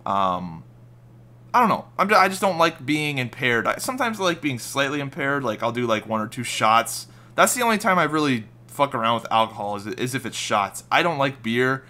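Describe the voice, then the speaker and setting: Raspy young man with a bright voice. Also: medium pitch, very animated, fairly quick. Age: young adult. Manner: rambling, casual, swears freely, many fillers and restarts. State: slightly raspy from just waking up. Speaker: gaming YouTuber. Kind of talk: casual voice-over commentary over gameplay.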